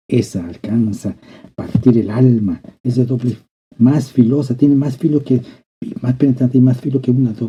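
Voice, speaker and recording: A man with a very husky, breathy voice preaches a sermon with fervor. He keeps repeating and reworking his phrases as he calls out to his listeners. The recording sounds dull and lo-fi, with the top end rolled off. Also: mid-range voice. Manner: fervent, repeats and restarts phrases, calls out to the congregation. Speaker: pastor.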